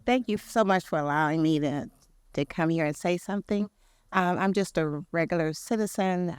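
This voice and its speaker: Earnest woman giving halting public comment. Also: on the low side, smooth, dry recording, studio quality. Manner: earnest, halting, listing requests. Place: city press briefing room.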